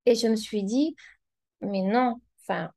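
A Spanish-speaking language teacher joins a casual discussion as a guest, thoughtful and hesitant, searching for words with many fillers and restarts. Her voice is fairly high and dark-toned with vocal fry, and she speaks unhurriedly.

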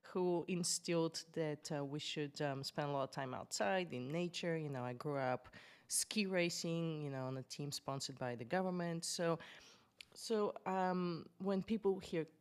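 Low-voiced woman with a Bulgarian accent. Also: unhurried, smooth. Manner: animated, hesitant with many fillers. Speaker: guest. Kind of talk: conversational storytelling interview.

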